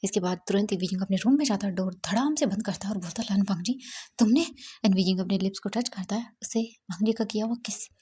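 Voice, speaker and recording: Woman storyteller, fanfiction narration, husky voice, dramatic. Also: medium pitch, quick pace, hardly any pauses, mellow. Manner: dramatic, mixing English words into narration.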